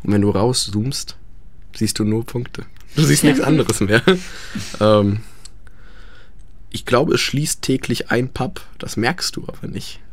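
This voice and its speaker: A man's voice: medium pitch, measured pace, no echo. A young man chatting about life abroad, hesitant with many fillers. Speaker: guest. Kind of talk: casual radio chat.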